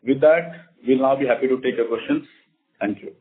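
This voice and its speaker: A man with an Indian accent speaking formally and in a measured way as a company executive on an investor call. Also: medium pitch. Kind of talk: prepared remarks and formal investor answers. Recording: narrow, phone-like conference line.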